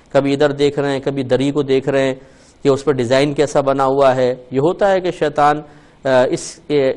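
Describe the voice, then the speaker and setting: Guy mufti on a call-in show, kinda high voice, patient, slows down to repeat stuff. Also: darkish tone. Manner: patient, explanatory, repeats phrases slowly to show pronunciation. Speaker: mufti answering callers. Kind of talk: religious call-in teaching.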